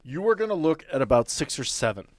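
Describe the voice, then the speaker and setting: A man acting as game master, narrating and explaining a tabletop game in a deliberate, explanatory way. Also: fairly high pitch, sing-song, no room sound.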